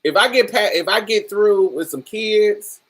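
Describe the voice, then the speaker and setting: A woman with a deep voice hosting a casual podcast chat, telling stories with frequent laughter and calling the listener honey and baby. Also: a little slow. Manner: animated storyteller, laughs often, calls listeners honey and baby. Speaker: podcast host.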